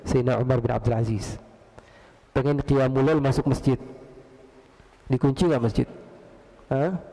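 A man's voice: medium pitch, dark tone. A man preaching in a mosque, telling stories casually and answering his own questions. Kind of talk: storytelling religious lecture. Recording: long reverb of mosque hall.

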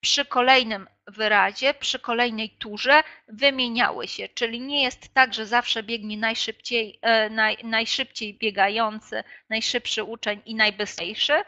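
A woman's voice: on the high side, sharp tone. A woman presenting an online teacher workshop, explaining classroom games with frequent hesitations and filler sounds. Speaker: teacher trainer. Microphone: video call. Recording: dull lo-fi online call audio.

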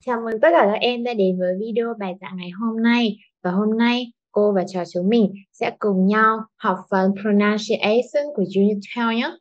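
A young woman teacher leads pupils through a lesson in an even, mid-pitched voice. She explains patiently, step by step, and keeps checking that they follow. The recording sounds a little dull and lo-fi. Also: moderate pace, hardly any pauses, soft background music. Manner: patient, explains step by step, asks "đúng không". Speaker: English teacher. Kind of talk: online lesson for schoolchildren.

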